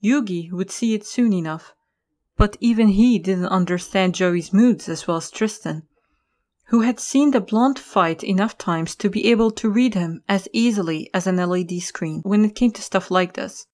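A woman's voice: mid-range voice, moderate pace, a little mellow. A woman giving scripted narration for an audio drama.

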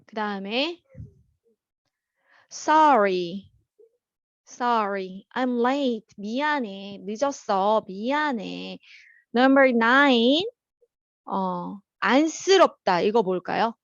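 A woman teaching an English vocabulary class. She calls on students by name, explains words in Korean, and reads the English example sentences slowly and carefully. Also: on the high side, lively intonation, dry recording, highs cut off.

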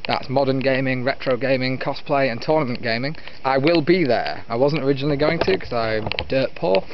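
A man's voice: medium pitch, a little fast. A British man in his twenties rambling casually and self-deprecatingly as he vlogs while walking outdoors, holding the camera on a stick. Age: 20s. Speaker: vlogger, retro gaming YouTuber. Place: outdoors, walking along a field edge by trees. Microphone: camera on a stick at arm's length. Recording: dull muffled camera audio with outdoor wind noise.

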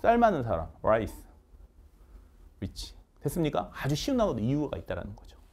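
A middle-aged man teaching English vocabulary in an online lecture, energetic and coaxing, firing quick questions at students. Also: medium pitch.

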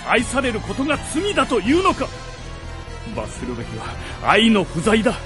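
Anguished widowed lord, impassioned radio drama, wide pitch swings, music behind. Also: male voice, huge pitch swings, normal speed. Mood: desperate pleading. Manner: theatrical, pleading, impassioned. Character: anguished guilt-ridden widowed nobleman and father. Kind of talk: Japanese radio drama acting.

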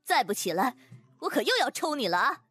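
A woman's voice: fairly high pitch, very animated, brisk, fairly bright tone, husky, soft background music, full character voice. A woman playing a bad-tempered, domineering young rich woman in a wheelchair, in an audiobook drama. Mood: threatening, commanding. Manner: domineering, scornful, commanding.

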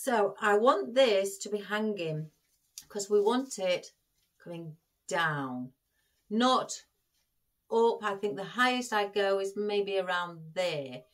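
Walking viewers step by step through a flower arrangement, a chatty woman keeps addressing them as "guys." She speaks slowly in a medium-pitched voice with lively intonation.

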